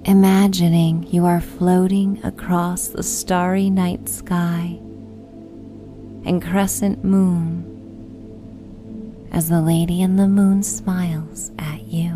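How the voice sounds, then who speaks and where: Female sleep story narrator, lowish voice, extremely slow and hushed, soothing guided relaxation over music. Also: level tone.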